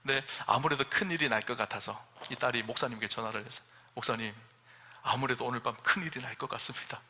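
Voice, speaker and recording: A man's voice: medium pitch, fairly even intonation, fast, pushed and bright, slight background noise. A middle-aged male senior pastor telling a story in a sermon, acting out the dialogue and rising to emphatic questions. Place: church sanctuary. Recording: long church hall reverb.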